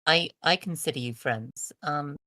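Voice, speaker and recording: A woman's voice: low-pitched, unhurried, sharp tone, no echo. A woman playing a tabletop role-playing game, talking casually in character.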